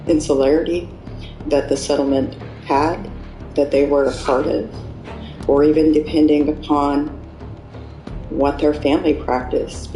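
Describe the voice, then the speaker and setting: Slow gravelly former Amish speaker. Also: mid-range voice, dark tone. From Amish settlements in the US. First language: Pennsylvania Dutch. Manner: slow, deliberate, measured. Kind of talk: earnest explanatory talk. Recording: echoey room with music underneath.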